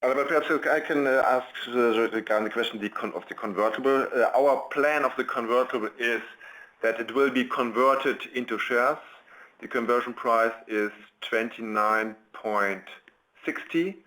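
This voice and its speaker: A man answering investor questions as a company executive on a conference call, halting and rephrasing as he goes. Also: medium pitch, bright, forceful tone, poor audio.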